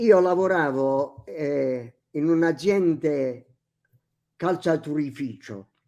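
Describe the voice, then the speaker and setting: A man speaks very slowly with long, frequent pauses. His fairly high voice has lively intonation. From Matera, Basilicata, southern Italy. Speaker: emigrant, former shoe factory owner. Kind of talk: interview answer.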